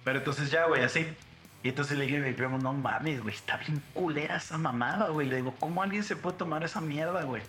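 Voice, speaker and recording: Talking fast in a fairly bright voice on the high side, this young Mexican man hosts a laid-back podcast. With his Mexican Spanish accent, he spins crude, slangy stories and performs the quoted lines, while music plays in a roomy room.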